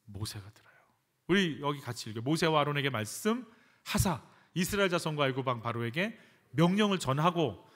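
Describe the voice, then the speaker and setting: A man's voice: fairly high pitch, expressive, fairly quick, fairly bright tone. A man, a pastor, preaching a sermon in a church, acting out prayers with emphatic repetition. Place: church sanctuary.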